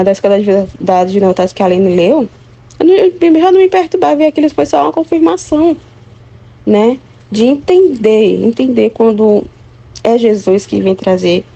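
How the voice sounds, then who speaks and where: Husky-voiced Brazilian woman, rambling testimony. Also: medium pitch, mellow, lo-fi sound. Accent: Brazilian Portuguese. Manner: rambling, constantly checking in with "né?" and "sabe?". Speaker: mother sharing a reflection in a Catholic study group. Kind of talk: casual spoken testimony.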